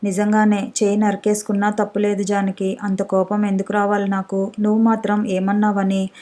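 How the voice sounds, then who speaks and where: A quick-tempered young husband, read by a woman, pleads and blames himself in a mellow, even voice. He sounds like a figure in a spoken storybook. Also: mid-range voice, natural voice. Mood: remorseful. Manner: pleading, self-reproaching.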